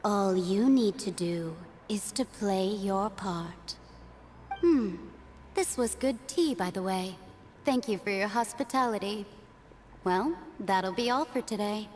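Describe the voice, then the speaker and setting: Slow, serene, enigmatic mage played by a woman. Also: medium pitch, darkish tone, a little hiss or hum, natural voice. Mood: whimsical, polite. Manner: measured, poised, cryptic. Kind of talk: video game voice acting.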